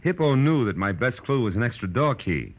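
A man's voice: mid-range voice, big pitch swings, brisk. An American actor playing a wry, worldly, hard-boiled male private detective in clipped 1940s radio style. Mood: matter-of-fact. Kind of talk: 1940s radio detective acting, first-person narration.

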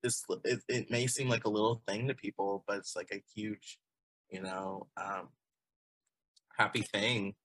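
A man's voice: lowish voice, level tone, measured pace, a bit bright, no echo, low-quality recording. A man in his twenties, a guest chatting casually and loosely with many fillers. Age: 20s. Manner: rambling, filler-heavy, laughs often. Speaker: guest artist. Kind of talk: casual conversation.

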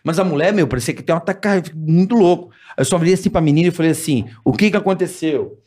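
A man hosting a casual chat, telling an animated story and acting out the voices of the people in it. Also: on the high side, rapid-fire. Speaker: podcast host.

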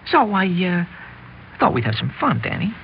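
Pushy young street hood, slangy. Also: male voice, sits high, wildly swooping pitch, measured pace, slight background noise, exaggerated voice. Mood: excited. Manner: slangy, pushy, wheedling tough-guy talk. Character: eager young male street hood, fast-talking sidekick. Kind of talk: 1960s radio drama acting. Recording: dull old radio recording with music.

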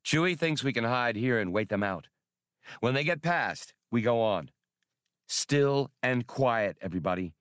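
A man's voice: mid-range voice, expressive, unhurried, fairly bright tone, no echo, studio quality. A man voicing a brash, decisive spaceship captain in an audiobook, terse and commanding with a wry edge. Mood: hushed, commanding. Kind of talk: audiobook character voice.

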